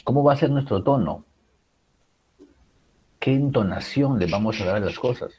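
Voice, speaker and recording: A man's voice: mid-range voice, expressive, normal speed, warm tone, slightly rough, rough recording. A man teaching a writing class, explaining public speaking with many rhetorical questions and fillers. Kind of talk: recorded class lecture.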